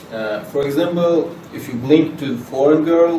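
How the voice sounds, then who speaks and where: A man with a Russian accent speaks at a fairly high pitch with ordinary pitch variation. Noticeable background noise and audible room echo are present. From Chechnya, Russia. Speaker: university student. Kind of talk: interview. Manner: halting.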